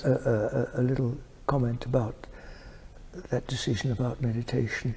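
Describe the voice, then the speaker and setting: A soft-spoken man, somewhat breathy and dark and mellow in tone, at a medium pitch and moderate pace, with monotone, flat intonation and very even loudness. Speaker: meditation teacher. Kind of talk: interview answer.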